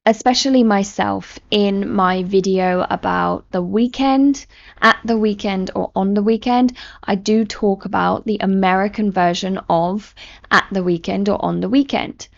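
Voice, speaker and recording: A woman's voice: medium pitch, fairly even intonation, measured pace, highs cut off. British woman teaching English on camera. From United Kingdom. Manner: clear, explanatory, conversational. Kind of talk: online lesson to camera. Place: small room indoors. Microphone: studio microphone in front.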